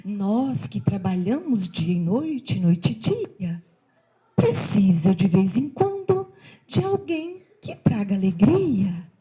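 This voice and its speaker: A woman from voicing a stern, hardworking female ant who barks orders in a scolding, brisk way. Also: mid-range voice, very animated, slightly rough, heavily acted. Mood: softened. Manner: scolding, brisk, loud commands.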